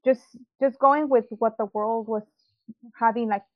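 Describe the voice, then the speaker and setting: A woman's voice: a little high, fairly even intonation, unhurried. A young woman from Mexico, raised in South Texas, giving a casual personal testimony as an interview guest, hesitant and full of ums and likes. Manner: hesitant, many ums and likes, laughs easily. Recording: dull lo-fi sound.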